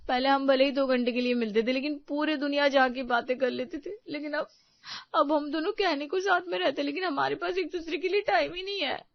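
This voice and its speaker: Young quick-tempered new bride, voiced by a woman narrator; emotional complaints, dry lo-fi audio story. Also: high-pitched, no echo. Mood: complaining. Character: young newlywed wife, lively and quick-tempered. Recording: dull, dry sound.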